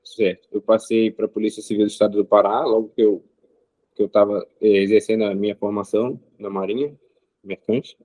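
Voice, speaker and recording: A man, an interview guest speaking in a measured way with frequent pauses and filler sounds. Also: on the low side, level tone, mellow, no echo. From Rio de Janeiro state, Brazil. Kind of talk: casual interview answers.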